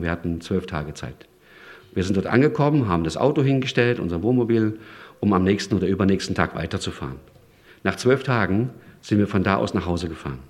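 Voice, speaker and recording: A man preaching a sermon, lively and emphatic, often rising sharply in pitch and loudness.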